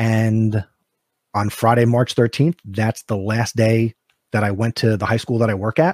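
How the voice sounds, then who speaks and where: On a very clean recording with a silent background and a dry, close sound without echo, a man speaks at a fairly slow pace and medium pitch with fairly even intonation, in a normal speaking voice. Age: 30s. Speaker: high school teacher and podcaster. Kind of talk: casual chat.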